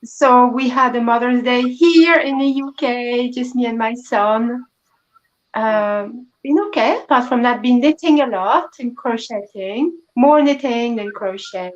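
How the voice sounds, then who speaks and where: A woman guest with a French-tinged English accent, chatting casually over a remote call with soft, short answers. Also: fairly high pitch, unhurried. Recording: dull lo-fi remote call audio.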